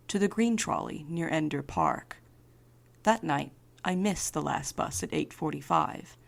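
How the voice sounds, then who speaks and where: Woman playing a low, creaky-voiced wry courier. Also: full character voice. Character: wry, defiant woman night courier in audio fiction. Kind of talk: audio drama acting and narration.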